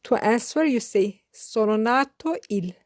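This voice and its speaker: Woman teacher, slightly high voice, deliberate drill pacing. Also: expressive, no echo, clean studio sound. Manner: slow, careful enunciation with repeated phrases. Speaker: language teacher. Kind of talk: slow scripted language lesson.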